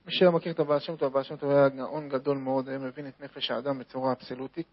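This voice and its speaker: Animated male storyteller, muffled sound. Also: medium pitch. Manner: animated, repetitive emphasis. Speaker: religious storyteller. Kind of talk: sermon-style storytelling. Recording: dull lo-fi recording.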